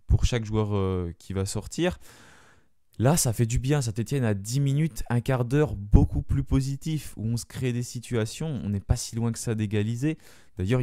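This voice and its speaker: A man talks through a football match on his own, hesitating often and restarting his sentences. His voice is smooth and clear at a middling pitch. The recording is dry and close, with no room sound. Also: dark tone, no room sound. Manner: hesitant, many fillers and restarts. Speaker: fan channel host. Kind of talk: solo match debrief.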